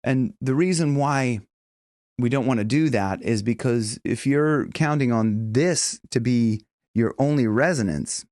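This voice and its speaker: A man's voice: medium pitch, measured pace, a little mellow, dry recording, clean studio sound. A middle-aged man giving an instructional voice lesson as a vocal coach, explaining things step by step. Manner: demonstrates with hums and sung tones. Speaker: vocal coach and professional singer.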